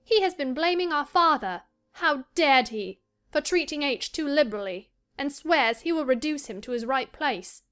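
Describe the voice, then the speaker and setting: A woman reading the part of a headstrong young girl recounting her diary with lively indignation. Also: sits high, normal speed, soft background music. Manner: lively, indignant first-person storytelling. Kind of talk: dramatized audiobook reading.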